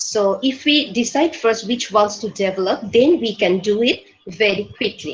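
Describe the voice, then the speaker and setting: A woman with a fairly high pitch, somewhat breathy, at a fairly slow pace. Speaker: English teacher. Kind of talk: workshop lecture.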